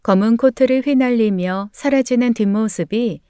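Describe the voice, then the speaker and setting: A woman's voice: a little high, moderate pace, warm tone, clean tone, dry recording, clean studio sound. A woman narrating a first-person story with dramatic, emotional storytelling.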